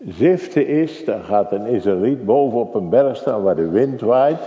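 A man's voice: mid-range voice, lively intonation, normal speed, dark tone. An older man preaching a sermon in a church, dramatic and full of rhetorical questions to the congregation. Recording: echoey, dull church recording.

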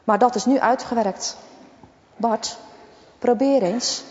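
A woman voicing a kind, gentle hospital nurse who talks soothingly to a patient. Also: fairly high pitch, slow pace. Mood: reassuring. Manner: soothing, reassuring. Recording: dull, echoey recording.

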